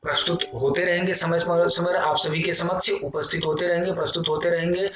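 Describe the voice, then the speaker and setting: A man teaching a Sanskrit grammar lesson for exam preparation. He explains in a repetitive, patient way, asks checking questions and reads rules and examples slowly. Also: fairly high pitch, level tone, a loud crowd. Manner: explanatory, repeats phrases, many fillers like "theek hai". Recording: roomy, distant, muffled, with music behind.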